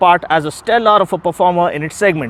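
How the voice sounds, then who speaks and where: Against noticeable background noise, a man talks fairly quickly in an animated tone with ordinary pitch variation. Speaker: motorcycle reviewer. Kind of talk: product review.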